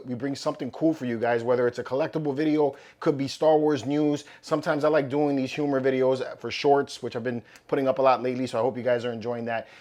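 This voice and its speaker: Man, slightly hoarse, upbeat, chatty, casual unboxing review, mid-range voice. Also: medium pitch, a little mellow. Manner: upbeat, loose and chatty with fillers. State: losing his voice, slightly hoarse. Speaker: collectibles channel host.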